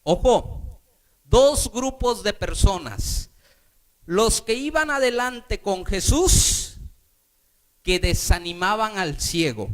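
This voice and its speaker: A man's voice: high voice, a bit bright. A male Catholic preacher giving a sermon, speaking emphatically and calling for responses from the congregation.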